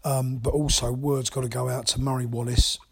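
A man enthusiastically leaving a voice message as a caller to a fan show, pausing with frequent ums. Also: mid-range voice, flat delivery, vocal fry, husky. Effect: recorded voice message. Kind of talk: casual fan phone-in.

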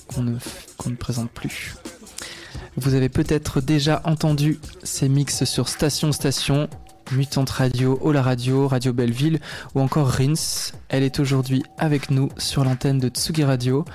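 Male radio host, measured announcer delivery, faint music underneath. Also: mid-range voice, darkish tone. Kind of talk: radio interview, scripted intro then casual chat. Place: radio studio.

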